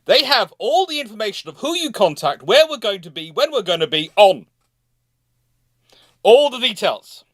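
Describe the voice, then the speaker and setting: A man's voice: sits high, sing-song, moderate pace, fairly bright tone, dry recording, clean studio sound. A man hosting a casual live chat, speaking emphatically and digressively, with repeated words as he gets going. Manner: emphatic, stammering repetitions, digressive. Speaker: livestream host.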